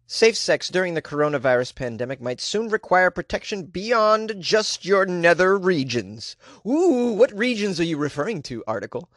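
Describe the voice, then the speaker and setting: A man's voice: high-pitched, sing-song, normal speed, few pauses, fairly bright tone, no echo, studio quality. A man hosting a comedy show, reading odd news stories aloud and mocking them with incredulous asides and laughter. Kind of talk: comic commentary on news stories.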